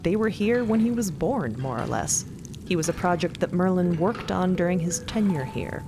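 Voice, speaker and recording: A woman's voice: fairly low pitch, lively intonation, normal speed, noisy background. A woman co-narrating a fantasy audio story in a scripted storytelling style with light banter. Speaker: podcast co-narrator.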